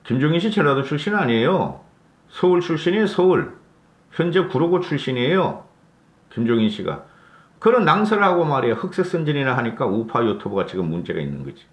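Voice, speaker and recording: A man from North Gyeongsang, South Korea, gives blunt political commentary, and his pitch swings widely as he talks. He keeps asking his listeners to agree with him. His voice rings around an echoey room. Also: sing-song, fairly quick. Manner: blunt, opinionated, asks for agreement with rhetorical tags. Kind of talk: casual political commentary monologue.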